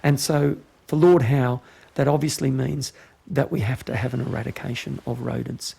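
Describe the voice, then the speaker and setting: A man's voice: mid-range voice, steady tone, moderate pace, vocal fry, dark tone, slightly rough. A man speaking earnestly and passionately as a conservation expert in a documentary interview.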